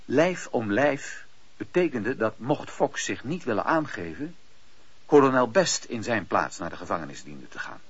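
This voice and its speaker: A man narrating a radio play in a dramatic, scripted storytelling style, with a husky voice. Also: mid-range voice, sing-song, moderate pace, dry recording. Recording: dull, lo-fi radio play recording.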